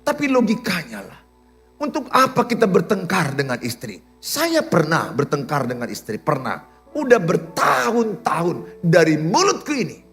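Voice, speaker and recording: A man preaching a sermon as pastor, in an animated, teasing and humorous way. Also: sits high, normal speed, faint music behind. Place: church.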